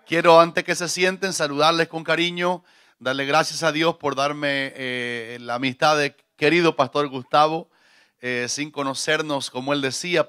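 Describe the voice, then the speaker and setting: A man's voice: a little high, bright, forceful tone, clean tone, no echo, clean studio sound. A middle-aged man from Cuba, a visiting pastor preaching a jovial sermon in church on a handheld mic. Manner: jovial, preacherly, joking with congregation.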